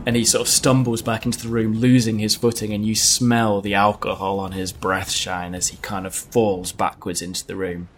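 A man's voice: lowish voice, level tone, normal speed, hardly any pauses, a little hiss or hum. A man narrating a tabletop role-playing game as game master, in conversational style.

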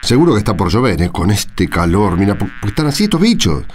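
An exasperated Argentine committee man acted by a man in a radio play. His voice is low and swings widely as he grumbles and repeats himself. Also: big pitch swings, fast, slight background noise. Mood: irritated, weary. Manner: grumbling, repetitive. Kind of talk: radio drama dialogue.

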